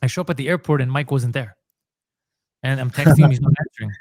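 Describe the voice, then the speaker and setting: A male comedian and podcaster from Montreal, Canada tells his story in a casual interview, acting out the dialogue he quotes. His voice sits at a medium pitch with a steady, darkish tone and a quick pace, captured in a dry, studio-quality recording.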